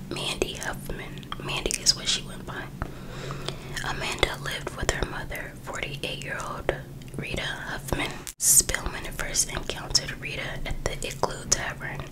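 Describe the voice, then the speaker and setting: An American woman reads aloud in a soft, unvoiced whisper for ASMR. Her delivery is very slow and breathy. She keeps it hushed and informal, like someone reading a book aloud with her own casual remarks. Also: rough recording. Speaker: ASMR host reading a true crime book.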